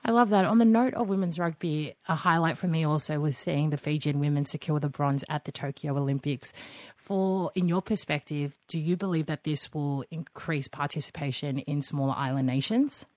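A woman's voice: low voice, normal speed, a little mellow, no echo. A woman co-hosting a radio interview, asking friendly, curious questions. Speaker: radio co-host.

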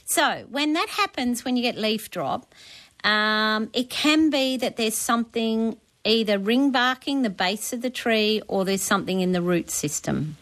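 A woman's voice: on the high side, expressive, a little slow, a bit bright. An Australian woman on talkback radio, giving practical advice in a chatty, colloquial way as the resident expert. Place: radio studio.

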